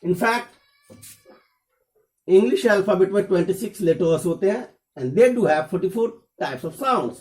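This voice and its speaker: A man's voice: high voice, lively intonation, darkish tone. A man teaching a spoken English lesson, explaining each point in English and then repeating it in Hindi. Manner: slow, deliberate English examples.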